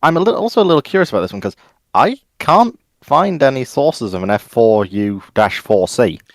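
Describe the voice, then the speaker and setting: A man's voice: mid-range voice, big pitch swings, brisk, no echo, studio quality. A man taking part as a panelist in a casual, unscripted discussion.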